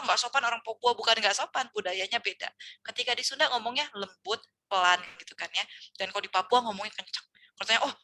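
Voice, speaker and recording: A woman's voice: mid-range voice, sharp tone. A woman giving a casual university lecture, chatty and full of fillers and tag questions.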